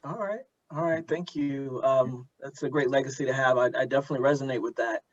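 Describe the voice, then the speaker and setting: A middle-aged man with an American accent hosting an interview, thoughtful and halting as he gradually builds his questions, on a dull, lo-fi recording. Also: medium pitch. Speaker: interviewer, host. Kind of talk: conversational interview.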